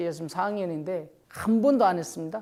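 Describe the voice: Lively intonation from a woman at medium pitch with a North Korean accent, fairly quick in pace, with noticeable background noise.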